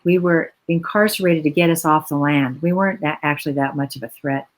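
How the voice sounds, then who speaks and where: A woman with a slightly low voice joins a virtual panel over a video call. She speaks earnestly and reflectively, in long flowing explanations. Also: fairly quick, rough recording. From United States.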